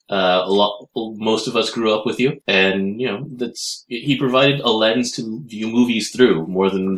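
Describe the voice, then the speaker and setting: A low-pitched man talks through his thoughts in a loose, rambling way, filling pauses with "uh" and "you know." The sound is roomy, as if recorded in a bare room at home. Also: fairly bright tone. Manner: rambling, reflective, trails off with fillers. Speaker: podcast co-host. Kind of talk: casual chat.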